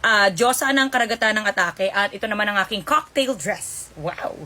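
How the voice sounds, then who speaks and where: A woman's voice: medium pitch, moderate pace, sharp tone. A young woman telling chatty storytime anecdotes to her viewers, calling them "te" and mixing in English phrases. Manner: chatty, gossipy, addresses listeners as "te", mixes in English. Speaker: storytime vlogger. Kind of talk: casual storytelling to camera.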